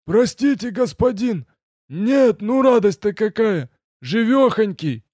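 A man voicing a loyal red-haired male servant who speaks in loud, drawn-out exclamations. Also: high-pitched, lively intonation, dry recording, clean studio sound, voice pushed up. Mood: overjoyed.

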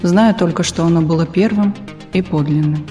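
A woman narrating a literary audiobook in a calm, measured reading style. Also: on the low side, faint music behind. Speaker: audiobook reader.

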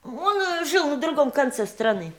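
A woman's voice: high voice, very animated, moderate pace. An actress in a Soviet audio drama playing an evasive, prickly woman, by turns hesitant and curt. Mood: reflective, evasive. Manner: hesitant, then curt and tart. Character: evasive, prickly woman guarding memories of past lovers.

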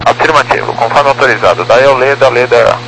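A man's voice: medium pitch, a little fast. A man speaking as an airline pilot over an aviation radio, giving terse, clipped readbacks in standard radio phraseology. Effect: pilot heard over an aviation radio. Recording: noisy radio link with hum.

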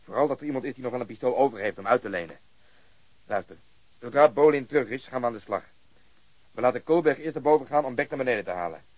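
An actor playing a blunt, impatient police officer who takes command, curt and sardonic, in a radio drama. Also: male voice, mid-range voice, animated, fast talker, no echo, natural voice.

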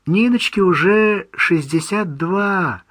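A man's voice: slow pace, no echo, full character voice. A man putting on a doting older mother. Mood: doting, anxious. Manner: high, lively, doting and teasing. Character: older woman, fussy loving mother on the phone.

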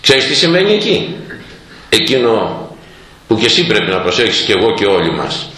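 A man preaching a sermon, telling stories with lively acted-out voices. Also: fairly low pitch. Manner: lively storytelling, acting out quoted voices. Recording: very echoey room.

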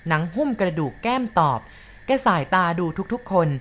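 A woman narrating a ghost story in a slow, measured way. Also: lowish voice, lively intonation, a bit bright, soft background music.

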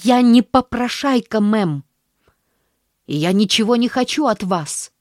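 A woman's voice: fairly high pitch, lively intonation, a little slow, darkish tone, no room sound, pitched above the performer's own voice. Storybook street boy, proud and blunt, dry close reading by a woman. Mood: defiant. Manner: defiant, blunt, sulky.

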